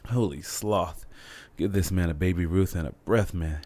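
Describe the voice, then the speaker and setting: A man playing a weary, cynical survivor who narrates an audio drama in a wry, streetwise, deliberate way. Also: low-pitched, close to an everyday voice. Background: loud music.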